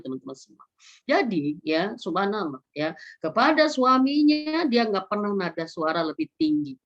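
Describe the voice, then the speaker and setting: Woman teaching a religious study group. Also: on the low side. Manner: gently persuasive, frequent rhetorical questions to the audience. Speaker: Islamic women's study teacher. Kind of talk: religious lecture. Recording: slightly dull lo-fi recording.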